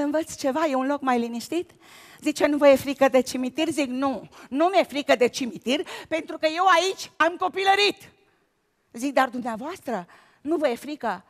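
High-voiced woman telling a comic story. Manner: animated storytelling with shouted bits. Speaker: comic actress. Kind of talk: stand-up comic monologue. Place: stage at an awards gala.

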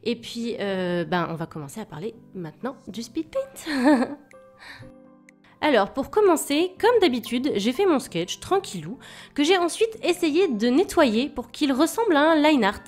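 A woman's voice: high-pitched, sing-song, measured pace. A woman with a cold and a stuffy nose, chatting casually and hesitantly through a speedpaint voice-over as a digital illustrator. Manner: chatty and hesitant, many fillers and restarts. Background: faint background music.

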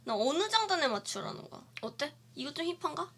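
A woman's voice: sits high, very animated, a little fast, noisy background. A woman doing a casual live stream from a dim room on a webcam, chatting playfully and answering viewer comments. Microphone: webcam streaming setup.

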